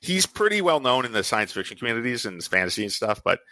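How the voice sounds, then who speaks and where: A man's voice: medium pitch, big pitch swings, quick pace, sharp tone, no echo. A man hosting a podcast interview, talking in a rambling, hesitant way with lots of restarts. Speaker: podcast host.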